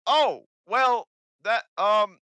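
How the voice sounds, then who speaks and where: A man voicing a sly, dim, blustering hobgoblin guard in a high, strained, shouting voice for a tabletop game. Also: lively intonation, very slow, smooth, no room sound, heavily acted. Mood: scheming, loud. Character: loud, sly, dim hobgoblin toll-extorting guard, male.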